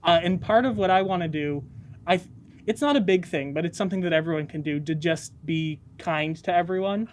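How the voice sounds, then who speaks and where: A teenage boy guest in a casual interview, earnest and a little halting. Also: a little high, slight background noise. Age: teens.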